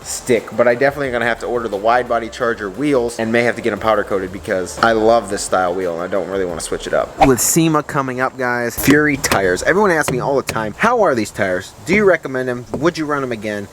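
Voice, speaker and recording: A man with a mid-pitched voice talks casually, like an off-the-cuff vlog. Clear vehicle and outdoor noise sits behind his voice. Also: expressive, fast talker, hardly any pauses, a bit bright. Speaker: vlogger reviewing truck tires.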